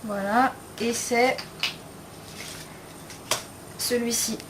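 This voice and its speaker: A woman's voice: fairly high pitch, steady tone, extremely slow, background noise. A young woman talking casually in a beauty haul video, chatty and frank, with slang and many fillers. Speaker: beauty vlogger.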